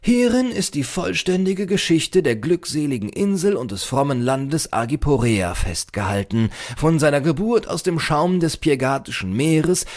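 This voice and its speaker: Storybook elder performed by a man: preachy old male scholar, higher voice, very animated, archaic and self-righteous. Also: normal speed, hardly any pauses. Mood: grandly lecturing. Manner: pompous, archaic, lecturing. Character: preachy, self-certain old male island librarian who crawls.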